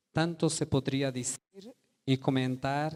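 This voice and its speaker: This man's dark, mellow voice stays monotone and flat, recorded dry and close with no echo. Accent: Portuguese. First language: Portuguese (speaking Spanish). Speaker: museum director. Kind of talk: speech. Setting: exhibition opening. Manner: formal.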